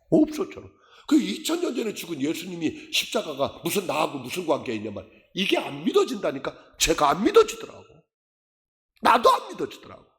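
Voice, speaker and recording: Animated Korean pastor quizzing his flock. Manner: animated preaching, quizzing the congregation with call-and-response questions; acts out skeptics in a high mocking voice. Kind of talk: sermon.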